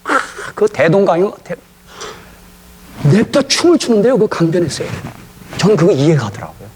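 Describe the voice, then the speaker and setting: A man's voice: sits high, sing-song, normal speed, a little mellow, a little hiss or hum. A man preaching a sermon as pastor in a church, telling stories animatedly and getting the congregation to repeat after him.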